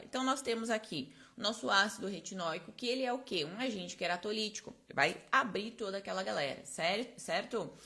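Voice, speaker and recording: A woman's voice: mid-range voice, a bit bright. A woman teaching a live online class, chatty and explanatory, tagging her points with constant little check-in questions, close to her microphone. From Brazil. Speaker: esthetics course instructor. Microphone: close personal microphone.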